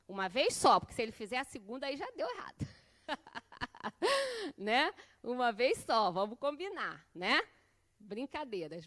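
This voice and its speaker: A woman's voice: high voice, a bit bright. A middle-aged woman teaching a course in a chatty, conversational way, often tagging her sentences with a questioning "né". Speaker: course instructor. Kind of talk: conversational lesson with personal anecdotes.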